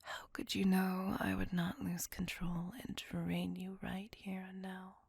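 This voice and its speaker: A woman breathes life into an ancient, tormented vampire woman who never raises her voice above a whisper. Her low, gravelly hush is husky and breathy, brooding and possessive. Close and dry, it sits right at the listener's ear. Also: monotone, dry recording, heavily acted. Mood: brooding menace. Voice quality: whispered throughout. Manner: slow, brooding, intimate. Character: centuries-old female vampire, tormented and possessive. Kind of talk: ASMR audio roleplay.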